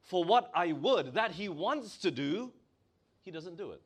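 A man's voice: high-pitched, expressive, unhurried, husky. A male preacher with a Malaysian accent, delivering a sermon and asking his congregation questions as he stresses key words.

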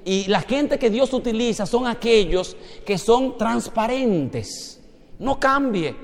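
Male pastor, animated and joking, high voice, long hall reverb. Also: takes it slowly, vocal fry. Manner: animated, humorous storytelling. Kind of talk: lively preached sermon.

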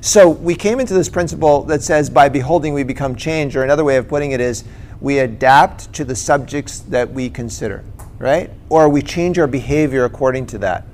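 A man's voice: mid-range voice, fairly quick, darkish tone, a little hiss or hum. A middle-aged man co-presenting a Christian talk, sharing his personal story in a conversational way and often checking in with "right?" and "okay?".

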